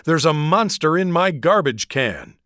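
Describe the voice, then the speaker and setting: A man voicing a frantic, talkative fifth-grade girl who rushes her words breathlessly. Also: low voice, lively intonation, fairly bright tone, no room sound, clean studio sound, pitched above the performer's own voice.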